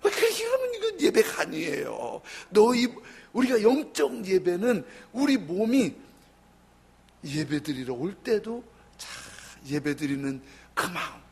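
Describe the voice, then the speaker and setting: A man's voice: high-pitched, measured pace, vocal fry, husky. A male pastor preaching a sermon, telling stories and acting out the people in them. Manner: lively storytelling, acts out quoted people.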